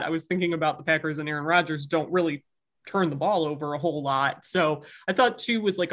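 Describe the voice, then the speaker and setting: Woman panelist with a bright, sharp voice; measured, explains her reasoning. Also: deep voice. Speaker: podcast panelist. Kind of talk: casual sports podcast chat.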